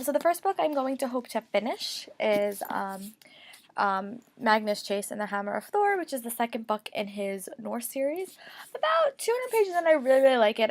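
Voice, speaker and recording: A young book vlogger chats casually to camera about her reading plans, upbeat and full of fillers. She has a slight cold, so her voice sounds stuffy. It sits on the high side with a gravelly quality.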